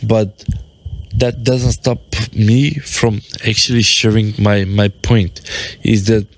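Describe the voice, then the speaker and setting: A man with a fairly low voice talks on his rooftop in an easy, rambling way. His English is loose and he restarts words often as he thinks aloud. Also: fairly even intonation, takes it slowly, low-quality recording. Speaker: podcast host and business owner. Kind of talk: casual talk to camera. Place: on his apartment rooftop, outdoors.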